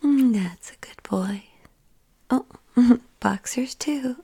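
A woman whispering softly and tenderly into a close mic in an intimate ASMR roleplay. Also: a little high, slow, vocal fry, husky. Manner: tender, soothing.

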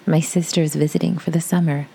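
A woman with a raspy voice, reading a post aloud in a soft, casual whisper. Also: sits low, flat delivery, fast, a little hiss or hum. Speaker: audio creator reading posts.

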